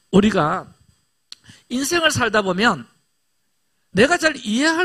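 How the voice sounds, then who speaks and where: A man's raised, projected voice at an extremely high pitch, bright and sharp in tone, with very wide pitch swings and a fairly slow pace. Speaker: pastor. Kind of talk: sermon.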